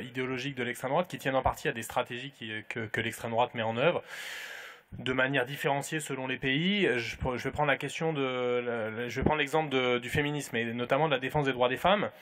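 A man's voice: mid-range voice, fairly bright tone. A man speaking on a conference panel, thoughtful, with many restarts and fillers.

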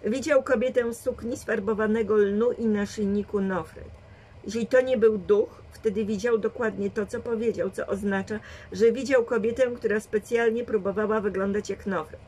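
A woman's voice: medium pitch, fairly even intonation, darkish tone, a little hiss or hum, lightly acted, poor audio. A woman voicing a shrewd, dry and commanding old grandmother who reasons firmly in a read storybook. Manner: measured, firm reasoning.

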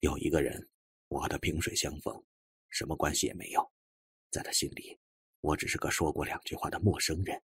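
A man voicing a gentle, calm professor in an audiobook, speaking softly, earnestly and wistfully. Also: rumbling low, brisk, slightly rough, no echo, voice pushed down, full character voice. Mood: tender, wistful. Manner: soft, hushed, earnest.

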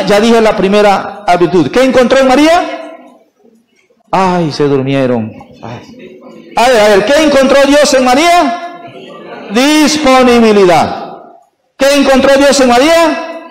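A man preaching a sermon at Mass as a priest, emphatic, asking the congregation questions and answering them himself. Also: very high-pitched. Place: church. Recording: long church reverb.

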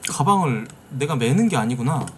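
A middle-aged man streaming a game live, reacting loudly and swearing at it. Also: mid-range voice, normal speed, a little hiss or hum. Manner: excitable, bursts into shouts and swears at the game. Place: streaming room indoors.

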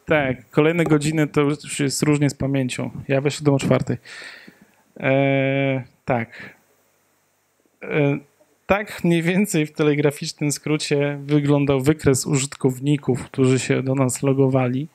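Talking into a handheld microphone at a conference-room tech meetup, this thirty-something conference speaker has a medium-pitched, slightly dark voice. His intonation stays fairly even and his pace runs a little slow, while his talk wanders hesitantly through fillers and jokey side comments.

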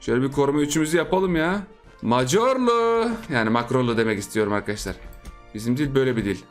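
A man's voice: mid-range voice, very fast, soft background music. A young man giving playful gameplay commentary for his channel, joking, teasing opponents and laughing often. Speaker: gaming YouTuber.

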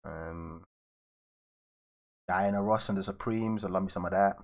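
A man's voice: low-pitched, fairly even intonation, measured pace. A young man with a London accent, chatting casually with viewers in a live stream as he draws at his desk. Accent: London English. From raised in London, England. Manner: loose and chatty, answering viewers. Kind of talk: casual live-stream chat while drawing. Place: indoors at a drawing desk.

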